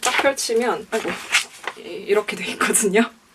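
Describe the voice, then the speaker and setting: A woman's fairly high-pitched voice with lively intonation, over noticeable background noise. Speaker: book YouTuber / bookstore channel host. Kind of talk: casual talk to camera, bookshelf tour.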